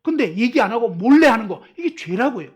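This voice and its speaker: Woman preacher, higher-pitched and husky, animated delivery that quizzes the congregation. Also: brisk, highs cut off. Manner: animated, asks the audience questions, acts out quotes. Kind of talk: sermon.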